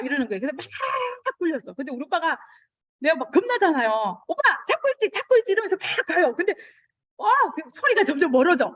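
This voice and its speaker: A middle-aged woman speaks to a group about business, her fairly high voice leaping up whenever she acts out a remembered exchange. The recording is dry and a little dull. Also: dry recording. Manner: animated, acts out dialogue with sudden high pitch jumps. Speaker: business mentor giving a talk. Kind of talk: lively motivational talk with acted anecdotes.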